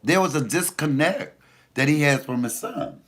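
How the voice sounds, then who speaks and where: A middle-aged man with a deep voice, a comedian chatting casually and profanely with viewers on a livestream. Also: moderate pace. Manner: animated, loose and profane storytelling.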